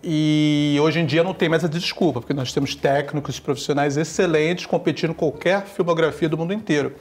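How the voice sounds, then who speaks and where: A man from Taiwan talks as a guest on a panel in a slightly high voice. He is enthusiastic and repeats his points. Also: a little fast. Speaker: guest filmmaker and teacher. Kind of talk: casual panel talk.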